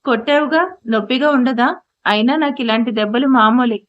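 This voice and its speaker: A woman's voice: on the high side, brisk, close to an everyday voice. A woman voicing a hurt young wife who speaks reproachfully through tears. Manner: reproachful, tearful. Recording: dull lo-fi audio.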